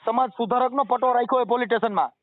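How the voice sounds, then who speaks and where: A man with a Gujarati accent and a high-pitched voice lectures at a rapid clip over a thin phone line. He argues insistently and preachily, repeating his points and leaning on sayings. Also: a crowd in the background. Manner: forceful lecturing, repeats phrases and talks over the other man. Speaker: social activist on a phone call. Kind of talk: heated, preachy phone argument with folk sayings and verse. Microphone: telephone line. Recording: tinny, narrow-band phone call recording.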